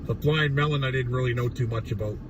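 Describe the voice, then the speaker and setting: A raspy, hoarse man rambles bluntly on a livestream, swearing freely as he talks. He sits in his truck, recorded on a phone held a little away from him. The rumble of passing traffic runs steadily behind his voice. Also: quick pace, distant mic. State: hoarse from yelling. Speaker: livestreamer at a protest. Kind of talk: casual ranting livestream. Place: inside a parked truck.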